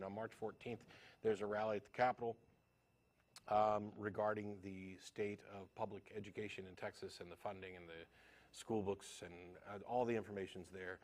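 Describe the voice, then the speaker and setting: A man with a somewhat low voice hosts a live call-in TV show. He gives announcements in a casual, easygoing way before moving on to the phone lines. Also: darkish tone. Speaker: co-host.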